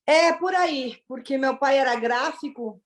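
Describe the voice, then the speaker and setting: A woman actress born in Italy and raised in Brazil, chatting in an interview as a lively storyteller full of exclamations. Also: high voice, unhurried. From born in Turin, Italy, raised in Brazil. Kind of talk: casual interview chat.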